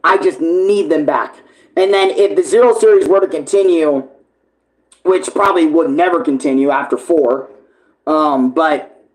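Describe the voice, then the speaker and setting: Hoarse, rambling young male streamer. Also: on the high side, low-quality recording. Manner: rambling, profane, enthusiastic. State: hoarse, losing his voice. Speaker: streamer ranking games. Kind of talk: casual livestream chat. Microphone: tablet camera.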